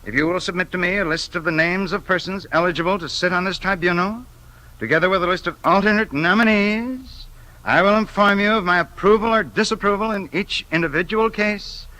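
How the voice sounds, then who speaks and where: A man's voice: high voice, a little fast, sharp tone, low-quality recording. A man playing a pompous, suspicious politician in a 1950s radio play, talking in a lawyerly, insistent way. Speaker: the Investigator.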